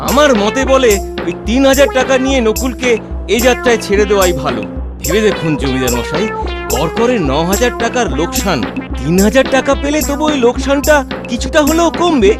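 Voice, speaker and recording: A man's voice: very high voice, expressive, a little fast, over loud music. A man voicing a fretful, deferential estate steward in a comic cartoon. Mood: advising. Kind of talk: dubbed comic cartoon dialogue.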